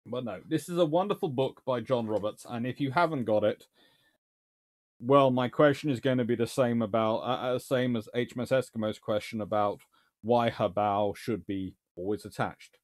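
Sitting in a small bookshelf-lined home study, a man runs a casual livestream Q&A, answering viewers with chatty, dry, wry humour. His voice sits in the mid range and moves at a moderate pace.

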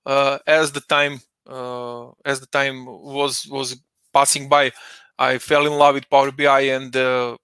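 A middle-aged man whose first language is Serbian answers interview questions over a headset. His voice is bright and a little high, with a close, dry sound and no room around it. He speaks in a measured way, full of hesitant fillers. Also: dry recording. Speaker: interview guest, data professional. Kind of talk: casual video-call interview. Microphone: headset on a video call.

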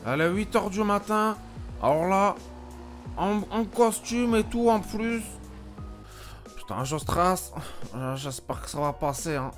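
A man playing a rough, excitable gypsy. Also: high voice, a little slow, faint music behind. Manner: excitable, swearing, mumbling asides to himself. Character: rough-talking male gypsy job seeker. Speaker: roleplay streamer playing a gypsy character. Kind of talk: GTA roleplay commentary in character.

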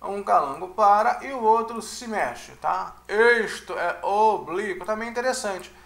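A man's voice: sits high, unhurried, vocal fry, a bit bright, echoey room. A man with a Brazilian Portuguese accent giving a casual music lecture, often checking in with his listeners. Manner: chatty, checks in with "né?" and "tá?". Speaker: music teacher.

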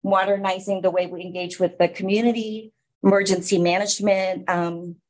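A woman's voice: mid-range voice, level tone, normal speed, darkish tone. Woman, meeting facilitator, informal, lots of ums, explaining to a group. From Philippines. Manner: informal, many fillers, friendly explaining. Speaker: city staff meeting facilitator. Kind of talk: facilitating a public commission meeting.

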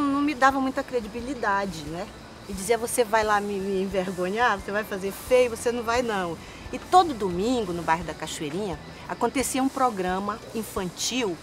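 A woman from Manaus, Brazil, appears as a guest, answering interview questions with stories of her singing career outdoors in a forest park. She's an animated, lively storyteller who gestures with her hands. Her voice is a little high, with a slight hiss or hum in the recording.

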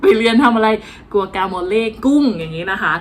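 A woman's voice: mid-range voice, animated, brisk, slight background noise. Chatty woman vlogging a cooking class. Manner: chatty, playful, self-mocking. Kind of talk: casual cooking-class vlog narration.

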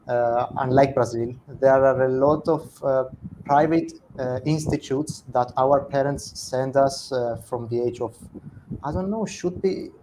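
A man's voice: fairly high pitch, noisy background. Young Cypriot man, Greek accent. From Cyprus. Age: young adult. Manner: relaxed, thoughtful, self-correcting. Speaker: guest. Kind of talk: casual video-call interview. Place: home room. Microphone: earphone headset on a video call.

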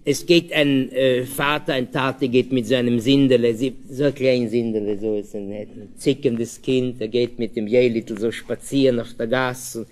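A man's voice: medium pitch, steady tone, normal speed, few pauses, darkish tone. A man telling jokes in a live cabaret, chatty with hesitant asides. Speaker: comedian.

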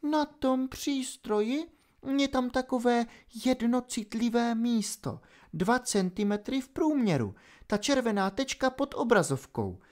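A man reading an audiobook and voicing a scheming female pixie villain who taunts softly and slowly. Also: extremely high pitch, lively intonation, voice pushed up. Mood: mocking.

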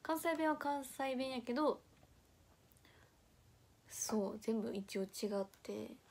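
A woman's voice: high voice, animated, slow, gravelly, a little mellow. Giggly young woman with a Kansai accent. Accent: Kansai, Nara. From Nara, Japan. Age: young adult. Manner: chatty, laughs often, reads comments aloud. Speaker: idol livestream host. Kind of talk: casual livestream chat reading comments.

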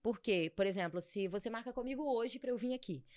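A woman's voice: fairly high pitch, brisk, a little mellow, dry recording, clean studio sound. A young woman talking as a podcast guest, telling stories animatedly and acting out the voices of people she quotes. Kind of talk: casual podcast conversation.

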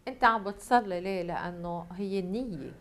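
A woman's voice: mid-range voice, quick pace, a bit bright. A woman with a Lebanese accent hosting a television faith talk show, preaching and encouraging her guest. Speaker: host.

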